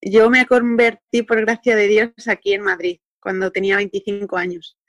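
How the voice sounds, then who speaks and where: A woman's voice: medium pitch, flat delivery, moderate pace, a bit bright, no echo. A woman in her thirties from Spain with a Peninsular Spanish accent, a radio guest reflectively telling her story with many fillers and tag questions. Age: 30s. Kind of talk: personal testimony in conversation.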